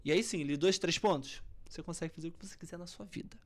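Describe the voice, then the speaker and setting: Speaking at a racing pace in a lowish voice, a Brazilian coach breaks down public speaking for a podcast interview. She demonstrates tone by swinging dramatically from loud, emphatic points to hushed near-whispers.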